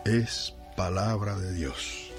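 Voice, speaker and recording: A man's voice: deep voice, slow pace, music in the background. An actor playing a disillusioned elderly male pensioner in a radio drama. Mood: solemn reading. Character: elderly male pensioner, reluctant, disillusioned, reads scripture solemnly.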